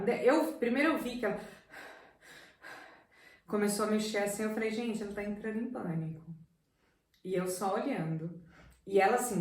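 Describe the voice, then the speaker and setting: A woman teacher telling a classroom story to viewers, animated and talking to them directly. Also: mid-range voice. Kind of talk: educational video talk. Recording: echoey room, voice from a distance.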